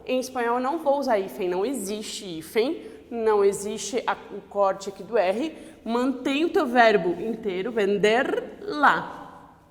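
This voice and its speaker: Woman teacher, fairly high voice, patient step-by-step explainer, reverberant room. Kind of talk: online classroom lesson.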